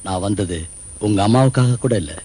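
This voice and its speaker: A man's voice: lowish voice, fairly quick, very noisy, lightly acted. An actor playing a scheming, pleading father in a film melodrama. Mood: pleading, grave. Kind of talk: Tamil film melodrama acting.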